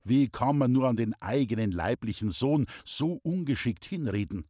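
Man playing a grumbly old bavarian guy, blunt, lively delivery, dry. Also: medium pitch, moderate pace, dry recording, lightly acted. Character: gruff old pipe-smoking man.

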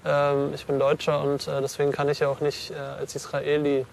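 A man with a gravelly, slightly high voice answers questions slowly and haltingly, full of ums and restarts. He is recorded outdoors in a city with faint traffic noise behind him. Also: completely flat delivery. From Germany. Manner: hesitant, many fillers and restarts. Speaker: interviewee. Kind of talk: casual interview answers.

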